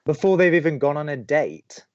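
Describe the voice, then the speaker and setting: A man's voice: fairly high pitch, lively intonation, moderate pace, darkish tone, highs cut off, close to an everyday voice. A young man playing a sardonic, reluctant college radio co-host in an audio drama, with a dry, skeptical, pedantic way of talking. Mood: skeptical, defensive. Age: young adult. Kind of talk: scripted audio drama banter.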